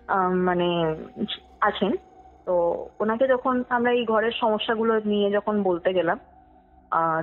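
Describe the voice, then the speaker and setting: A young woman tells a personal story conversationally, dropping in English words and checking that her listener follows. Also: medium pitch. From West Bengal, India. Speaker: podcast guest telling her true ghost story. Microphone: phone call. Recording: tinny phone call, music underneath. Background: background music.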